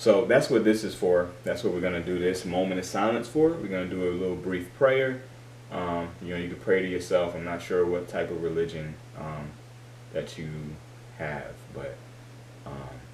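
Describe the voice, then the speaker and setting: With audible room echo, a man at a very deep, low pitch talks at a moderate pace, his lively intonation matched by big swings in loudness. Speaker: YouTuber giving commentary. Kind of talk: casual monologue vlog. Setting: at home, late at night.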